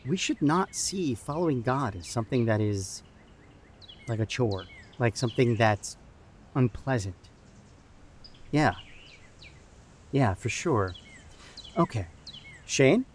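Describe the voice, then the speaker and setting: An actor playing an earnest, encouraging church camp youth leader who haltingly repeats and restarts his phrases in an audio drama. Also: medium pitch, lively intonation, lightly acted. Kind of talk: improvised-sounding audio drama dialogue. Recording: outdoor background noise with birdsong.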